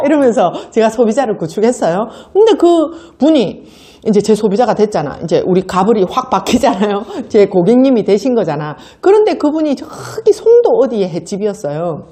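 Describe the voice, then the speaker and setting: A middle-aged woman with a warm, medium-pitched voice gives a motivational sales seminar. She tells stories animatedly, acts out quoted voices and laughs often.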